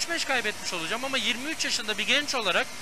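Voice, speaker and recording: A man speaks very fast in a raised, projected voice. Noticeable background noise runs underneath. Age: 30s. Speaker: motorcycle vlogger. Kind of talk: casual monologue.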